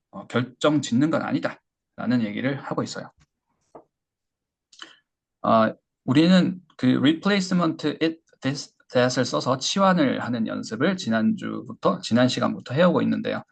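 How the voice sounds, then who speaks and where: Gravelly-voiced male English teacher. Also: mid-range voice. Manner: explains step by step and models English phrases slowly. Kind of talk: online lecture.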